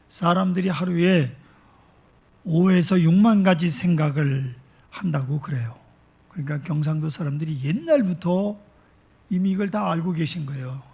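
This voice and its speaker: A male pastor delivering a slow, emphatic sermon to his congregation, asking rhetorical questions. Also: a little high, vocal fry, a little mellow, slightly rough.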